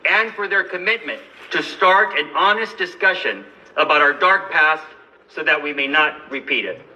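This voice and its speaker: A man's voice: a little high, pushed and bright. Earnest man giving a formal speech. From Los Angeles. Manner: measured, earnest delivery. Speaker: lawyer and advocate. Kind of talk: formal speech at a press event. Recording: distant mic with light background noise.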